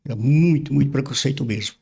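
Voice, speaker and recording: A man's voice: mid-range voice, fast, creaky, warm tone, slightly rough. An older man from Brazil, a pastor, telling his life story in a casual interview and repeating words as he recalls things. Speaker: pastor, podcast guest.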